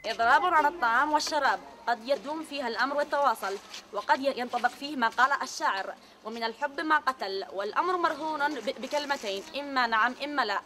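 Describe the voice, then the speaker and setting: A brisk TV reporter. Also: female voice, high-pitched, pushed and bright, a little hiss or hum. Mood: formal. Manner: formal, declaiming. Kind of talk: news report parody.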